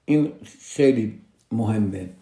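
A man's voice: fairly low pitch, dark tone. Earnest man giving advice, roomy echo. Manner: earnest, addresses listeners directly and repeats key points. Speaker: radio host giving relationship advice. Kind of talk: casual advice talk on a podcast.

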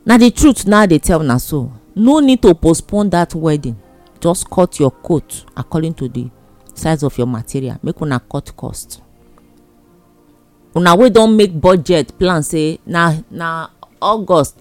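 A man's voice: a little high, expressive, moderate pace, a little mellow, no echo, soft background music. A man with a Nigerian accent giving casual advice in an emphatic, repetitive, plain-spoken way. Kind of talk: casual advice monologue in Pidgin.

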